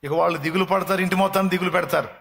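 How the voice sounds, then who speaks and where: A man preaching a sermon with a coastal Andhra Telugu accent. He talks in animated bursts and acts out back-and-forth dialogue with God. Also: sits high, racing, creaky. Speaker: pastor. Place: church hall.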